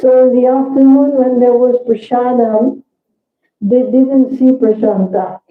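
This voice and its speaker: Her high-pitched voice moves at a fairly slow pace, the woman keeping fairly even intonation and very even loudness. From France. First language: French. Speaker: devotee speaker. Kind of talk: personal reminiscence talk.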